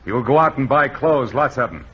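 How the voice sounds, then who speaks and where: A man playing a gruff gangster bookie in a 1940s radio drama, bossy and clipped, slightly husky. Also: medium pitch, lively intonation, a little fast, fairly bright tone. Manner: clipped tough-guy slang, bossy. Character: gruff gangster bookie, tough but softening. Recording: dull old radio broadcast.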